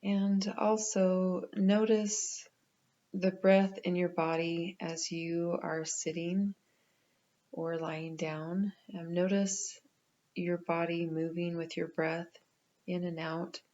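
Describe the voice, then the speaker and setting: A woman leading a guided meditation in a gentle, unhurried manner with pauses. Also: fairly low pitch, level tone, lo-fi sound.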